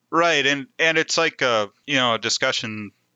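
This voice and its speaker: This man has an American accent. The rise and fall of his pitch is ordinary. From US Upper Midwest, Red River Valley near Fargo-Moorhead, Minnesota side. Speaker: agronomist. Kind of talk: interview.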